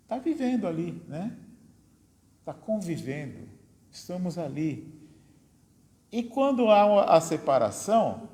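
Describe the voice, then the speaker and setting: A man's voice: sits high, mellow. A man with a Brazilian Portuguese accent giving a spiritist lecture to an audience, talking conversationally, tagging his sentences with little questions and posing rhetorical ones. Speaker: lecturer at a spiritist study center. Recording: echoey hall with long reverb.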